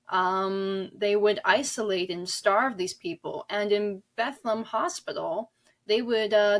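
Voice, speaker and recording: A woman being interviewed as an author, talking conversationally and explaining earnestly, in a halting way. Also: mid-range voice. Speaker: guest author discussing their novels.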